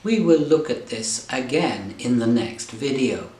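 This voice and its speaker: A male English tutor talks learners through a lesson in a clear, deliberate, encouraging way. He speaks very slowly at an ordinary pitch. His voice carries a noticeable room echo. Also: lively intonation, a little mellow. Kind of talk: slow, careful teaching explanation. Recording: roomy echo.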